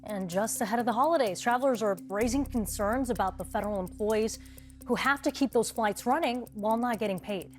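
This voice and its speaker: A woman's voice: a little high, a little fast. Woman news anchor over faint music. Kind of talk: scripted news report.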